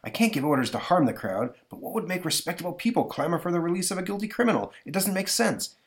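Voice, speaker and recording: A man's voice: high-pitched, expressive, fast talker, voice pushed up. A man voicing a baffled, exasperated prison warden in a comic-book story, protesting emphatically.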